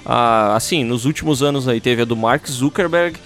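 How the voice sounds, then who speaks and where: A man's voice: medium pitch, normal speed, a bit bright, faint music behind. A man with a Brazilian accent chatting casually as a podcast co-host, reading listener emails in a joking, slangy, mock-dramatic way.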